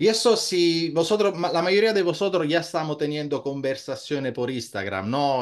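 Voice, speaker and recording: Over a quiet background, a man with an Italian accent talks at a moderate pace with lively intonation. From Italy. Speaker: business coach. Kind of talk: webinar presentation. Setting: video call. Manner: animated. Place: home room. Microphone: webcam.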